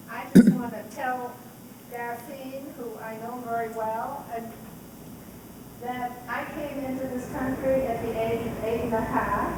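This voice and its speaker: Woman talking real slow from far back in an echoey hall, noisy. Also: fairly high pitch. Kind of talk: audience comment at a panel.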